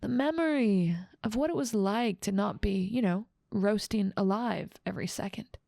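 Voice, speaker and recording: A dominant demon ruler of hell, acted by a woman, speaks in an ASMR roleplay with a creaky edge to her voice. She is teasing and condescending, with playful menace, and the recording is close and dry. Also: medium pitch, moderate pace, warm tone, dry recording, lightly acted. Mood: darkly relishing. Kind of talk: ASMR roleplay audio drama.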